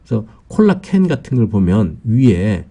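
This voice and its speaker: A man giving an English vocabulary lesson in Korean, explaining word after word slowly and patiently, with many hesitant fillers. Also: fairly low pitch, sing-song, mellow, slightly rough. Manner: slow and patient, many "어" fillers, lists meanings one by one.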